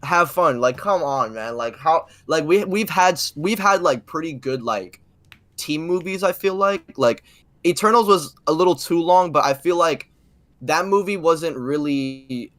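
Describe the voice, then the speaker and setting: A man co-hosting a podcast, chatting informally in short halting phrases padded with filler words. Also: on the high side, expressive, fairly bright tone, dry recording. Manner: halting, informal, heavy use of "like". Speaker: podcast co-host. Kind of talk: casual chat.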